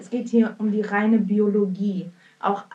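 A woman's somewhat breathy voice at a medium pitch, in a monotone, flat intonation. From former Soviet Union. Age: 30s. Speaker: podcast co-host. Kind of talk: casual chat.

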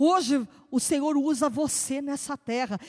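In a dry, close sound with no echo, a woman with a Brazilian accent speaks at a high pitch in an animated, passionate tone. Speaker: preacher. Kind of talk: fervent sermon, preaching with scripture and exhortation. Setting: church. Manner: animated, emphatic, passionate preacher's delivery; repetitive, rhetorical, exclaiming 'Aleluia'.

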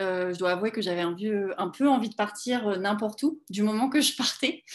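A woman uses a normal speaking voice at a medium pitch, with ordinary pitch variation. She speaks at a moderate pace against a quiet background. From Normandy, France. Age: 20s. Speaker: small business owner, former au pair. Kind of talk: casual interview.

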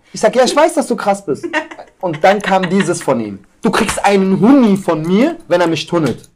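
A man speaks in a high voice with very wide pitch swings. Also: moderate pace. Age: 30s. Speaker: street football content creator. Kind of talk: casual chat.

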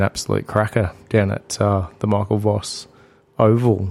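A dark, mellow, flat monotone in an Australian accent, on a very clean recording with a silent background. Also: man. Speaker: podcast co-host. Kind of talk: casual chat. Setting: home shed studio.

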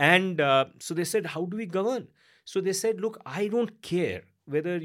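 A man with an Indian accent and a high pitch at a moderate pace, on a very clean recording with a silent background. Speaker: technology think tank co-founder. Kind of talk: interview.

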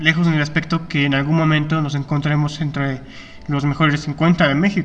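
Noticeable background noise fills the clip. Over it, a man talks at a fairly high pitch. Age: 20s. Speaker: podcast co-host. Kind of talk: casual chat.

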